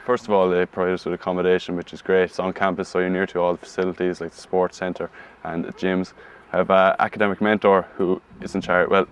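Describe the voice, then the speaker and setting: A young man gives a plain interview as a student athlete. His voice is fairly low and stays flat in pitch. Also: quick pace, a little hiss or hum. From Wexford, Ireland. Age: young adult. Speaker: student hurler. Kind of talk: interview talk.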